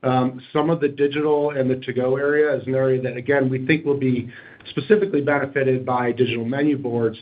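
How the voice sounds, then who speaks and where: A man's voice: mid-range voice, fairly even intonation, brisk. Man executive on a dull conference-call line. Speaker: company executive on an earnings call. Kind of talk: prepared remarks and corporate question answering.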